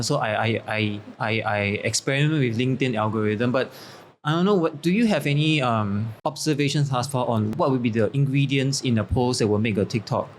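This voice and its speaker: A man's voice: medium pitch, slight background noise. A man with a Singaporean accent hosting a business panel, casual and stammering, with local particles. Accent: Singaporean English. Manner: casual, stammering, ends lines with "lah". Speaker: host. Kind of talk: panel discussion.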